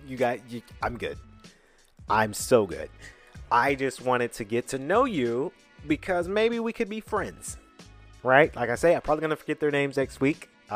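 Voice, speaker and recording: A man in his twenties co-hosting a podcast, rambling casually, bluntly and with profanity, often asking "right?". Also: mid-range voice. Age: 20s. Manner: chatty, keeps asking "right?". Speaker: podcast co-host.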